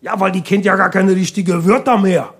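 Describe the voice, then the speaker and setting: A man's voice: high voice, fairly even intonation, moderate pace, a bit bright, slightly rough, full character voice. A man voicing an indignant elderly grandpa in a stand-up sketch, grumbling in broken street slang full of tag words. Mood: outraged, agitated. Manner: slangy broken grammar, peppered with "ne" and "Alter". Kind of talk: stand-up comedy dialogue sketch.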